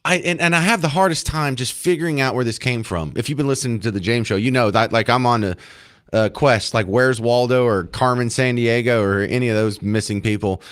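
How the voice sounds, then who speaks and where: A man's voice: mid-range voice, fairly bright tone. A man from hosting talk radio, indignant and emphatic, hammering his points through repetition. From East Texas.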